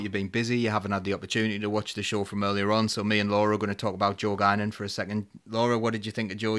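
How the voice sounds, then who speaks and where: Smooth low-voiced male host. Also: a bit bright. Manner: rambling, self-deprecating, many fillers. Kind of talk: casual live show hosting.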